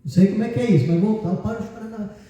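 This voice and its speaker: High-voiced Brazilian pastor in an echoey hall. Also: male voice, rapid-fire, mellow. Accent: Brazilian Portuguese. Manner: conversational, hedging and self-correcting as he recalls details. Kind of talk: storytelling sermon. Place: large church hall. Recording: echoey church hall from far off.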